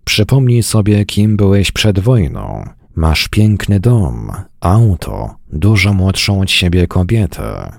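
A gruff, bossy army major, as a man puts him on, with a deep, gravelly bass voice and a coarse, commanding delivery. He barks at his men, and his voice swings widely in pitch. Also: very animated, slow, few pauses, dry recording, studio quality, heavily acted. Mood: blustering.

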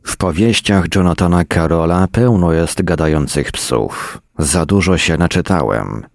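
A man reading a first-person story in a weary, deadpan manner at a close mic. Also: deep voice, unhurried, no echo. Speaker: narrator.

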